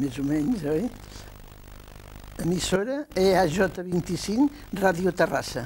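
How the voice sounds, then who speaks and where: Her pitch fairly low, a woman talks at a very slow pace. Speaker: first radio announcer, retired radio broadcaster. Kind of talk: TV interview answer. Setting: television studio.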